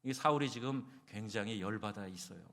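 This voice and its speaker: A man's voice: lowish voice, brisk, fairly bright tone. A man pastor preaching a sermon with fervent, emphatic exclamations. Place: church sanctuary. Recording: church hall reverb.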